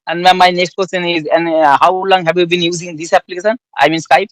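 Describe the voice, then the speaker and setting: A man from West Bengal with an Indian accent, asking polite, halting questions with many restarts on an English practice call. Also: high voice, flat delivery, no echo. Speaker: conversation partner asking questions. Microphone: online call.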